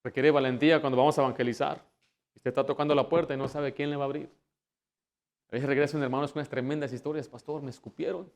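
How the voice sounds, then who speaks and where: A man preaching as pastor, telling personal stories with acted-out quotes and rising to loud, forceful exhortation. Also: medium pitch, level tone, fast talker. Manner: storytelling, acts out quoted voices, builds to loud exhortation. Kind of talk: sermon.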